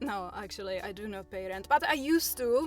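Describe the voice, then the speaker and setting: With a non-native accent, a woman talks at a moderate pace, her pitch swinging very widely. Music runs in the background. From Czech Republic. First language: Czech. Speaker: flight instructor. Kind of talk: casual talk to camera.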